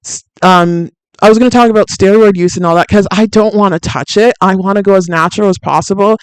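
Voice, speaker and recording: A woman with a deep, soothing voice hosts a fitness livestream in a chatty, candid way, with plenty of fillers and easy laughs. Her tone is smooth and clean, recorded close and dry with no room sound. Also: brisk, no room sound, poor audio. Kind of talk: casual livestream chat reading viewer comments.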